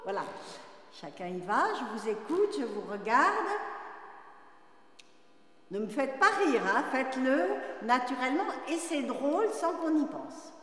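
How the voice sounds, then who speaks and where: A woman teaching a dance class, calling out breathing cues and demonstrating vowel sounds that climb into high sung notes. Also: big pitch swings, a little slow. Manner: demonstrates vowels on sung, rising pitches between spoken cues. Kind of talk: guiding a class through vocal warm-up exercises. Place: large dance studio. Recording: echoey studio with long reverb.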